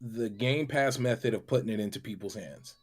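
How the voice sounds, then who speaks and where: A man's voice: on the low side, a little fast. A man talking casually and giving his opinions as a panelist on a gaming show.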